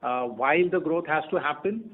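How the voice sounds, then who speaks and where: Halting Indian man on a tinny phone line. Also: on the high side, breathy edge. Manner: halting, measured, repeats phrases while searching for words. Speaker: company executive answering analyst questions. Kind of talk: earnings call answers, unscripted. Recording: tinny narrow-band phone conference line.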